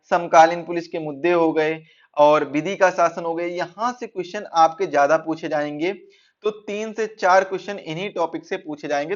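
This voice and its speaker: High-voiced male instructor, muffled audio. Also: fairly bright tone. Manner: repeats and rephrases points. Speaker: exam-prep instructor. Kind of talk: explanatory online lecture. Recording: dull, lo-fi band-limited audio.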